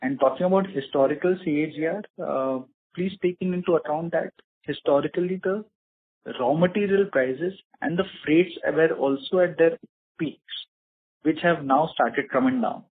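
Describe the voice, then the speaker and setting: A man with an Indian accent, speaking formally and in measured explanations as an executive answering questions on an earnings call. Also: a little high. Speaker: company executive answering investors. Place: conference call. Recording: muffled narrowband phone line, slightly rough.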